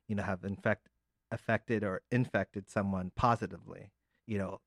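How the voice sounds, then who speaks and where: Low-voiced thoughtful male co-host. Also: fairly even intonation, moderate pace, vocal fry, a bit bright, no room sound. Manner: thoughtful, explains in long rambling sentences. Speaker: podcast co-host. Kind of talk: casual reflective chat.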